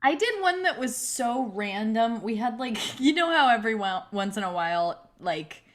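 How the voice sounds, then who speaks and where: A woman's voice: fairly high pitch, sing-song, moderate pace. A woman talking casually and slangily with friends on a group video call. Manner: chatty, informal, slangy.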